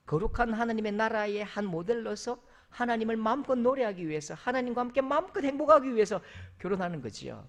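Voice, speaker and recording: A man from South Korea delivers a church sermon with a high, lively voice that leaps up and down in pitch. He is animated and playful, slipping into other people's voices to make his point. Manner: animated, acts out quoted voices with big pitch jumps. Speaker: pastor. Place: church sanctuary.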